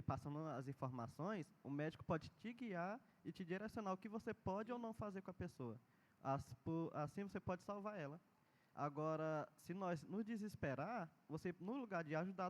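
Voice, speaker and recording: A man's voice: sits high, fairly quick. A man answering during a seminar, explaining things in an earnest way. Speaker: seminar participant.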